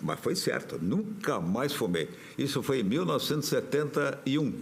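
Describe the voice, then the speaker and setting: Over noticeable background noise, a man talks with very wide pitch swings while his loudness stays very even. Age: 90s. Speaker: veteran radio broadcaster. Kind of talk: interview, reminiscing.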